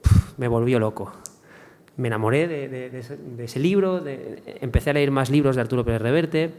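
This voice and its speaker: A man's voice: mid-range voice, normal speed, dark tone. A man speaking as a writer on a panel, in conversational style, often hesitating and restarting his words. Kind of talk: conversation at a cultural talk.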